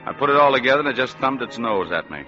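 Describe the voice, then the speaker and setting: A man's voice: mid-range voice, expressive, fast, sharp tone. A man playing a hard-boiled private detective who narrates with dry, sardonic wisecracks in a vintage radio drama. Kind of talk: 1940s radio acting. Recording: muffled old radio broadcast with music.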